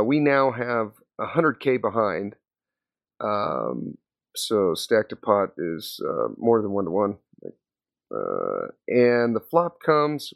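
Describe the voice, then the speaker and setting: A man's voice: medium pitch, vocal fry, fairly bright tone, dry recording, studio quality. A man hosting a podcast, casually recounting a poker hand he played, with lots of fillers and restarts. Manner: storytelling with many fillers and restarts. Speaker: podcast host.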